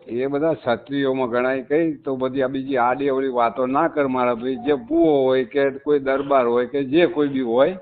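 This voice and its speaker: A man's voice: mid-range voice, steady tone, moderate pace. Insistent man on a tinny phone line. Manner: insistent, repetitive, emphatic. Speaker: caller. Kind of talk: phone call. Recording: tinny phone call recording.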